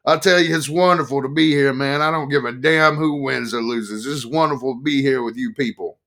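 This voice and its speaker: A man voicing a rowdy, boastful drunk male biker fan who rambles loudly. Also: medium pitch, fairly quick, voice pushed up, close to an everyday voice. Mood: boisterous.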